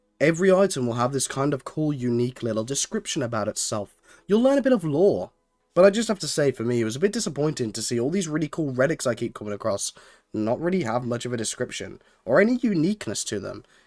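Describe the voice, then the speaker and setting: A man's fairly high voice with very wide pitch swings at a very fast pace, dry and close with no echo, over music in the background. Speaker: gaming YouTuber. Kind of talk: game review talk to camera.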